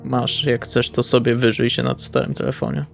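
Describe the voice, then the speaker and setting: A man's voice: mid-range voice, little pitch movement, moderate pace, vocal fry. A man playing in a tabletop role-play session, improvising casually in and out of character, informal and sweary. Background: faint music.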